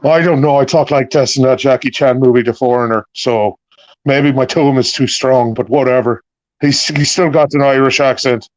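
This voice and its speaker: A man's voice: mid-range voice, steady tone, moderate pace, no room sound, low-quality recording. A man joking as a stream guest, playing a celebrity persona with a put-on Irish accent. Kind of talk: casual banter in character.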